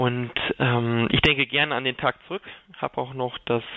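A man's voice at medium pitch and a moderate pace. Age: 20s. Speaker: church youth worker. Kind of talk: radio interview.

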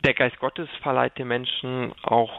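A man with an unremarkable speaking voice talks fairly slowly at a medium pitch. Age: 20s. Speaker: church youth worker. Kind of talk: radio interview.

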